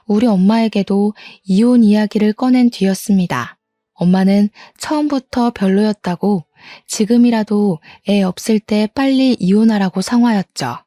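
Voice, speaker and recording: Woman in her 30s telling her story, fired up, mellow tone, dry close mic. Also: medium pitch, no echo. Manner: indignant, vivid storytelling. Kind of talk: first-person story narration.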